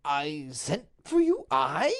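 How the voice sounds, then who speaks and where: A woman voicing a grave, bewildered middle-aged Duke who speaks slowly and firmly. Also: low-pitched, huge pitch swings, fairly bright tone, exaggerated voice. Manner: slow, grave, measured.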